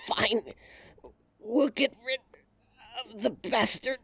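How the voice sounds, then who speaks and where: A woman's voice: a little high, slow, husky, heavily acted. A woman playing a desperate but defiant werewolf in an audio drama, with a pleading, exasperated manner. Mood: reluctant. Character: desperate, defiant female werewolf seeking her mate.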